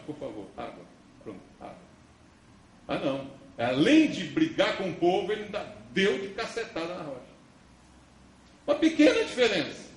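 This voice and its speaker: A man's voice: mid-range voice, slight background noise. A man with a Brazilian Portuguese accent, preaching a sermon as pastor and posing rhetorical questions to the congregation. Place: church sanctuary. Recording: echoey church recording from a distance.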